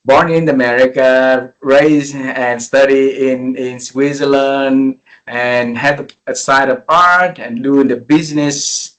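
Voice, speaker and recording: A man's voice: mid-range voice, fairly even intonation, takes it slowly, a bit bright, rough recording. A man in his forties from Vietnam hosting an interview over a call, speaking English with many fillers and restarts. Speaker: interview host.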